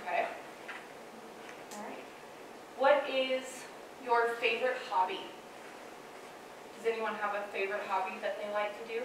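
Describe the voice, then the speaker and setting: A woman questioning classmates in a university lecture hall, asking light questions slowly. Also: medium pitch, fairly even intonation. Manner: slow, light questions with laughter. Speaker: student questioning mock jurors. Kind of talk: classroom role-play questioning. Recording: echoey hall from far off, noisy.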